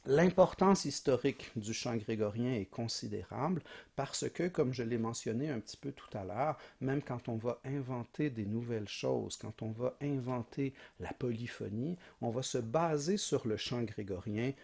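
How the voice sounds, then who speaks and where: A man lectures on music history in a husky, mid-range voice. He explains step by step, poses questions to the listener and sometimes breaks into short sung examples. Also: medium pitch, normal speed, a little mellow. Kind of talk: recorded lecture.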